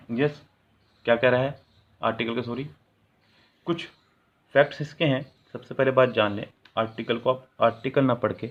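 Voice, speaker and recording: A man explaining English grammar in Hindi as a teacher, reading example sentences aloud and asking questions that he then answers himself. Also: medium pitch. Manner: asks the viewer questions and answers them himself. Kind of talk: classroom-style video lesson. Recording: tinny, phone-like sound.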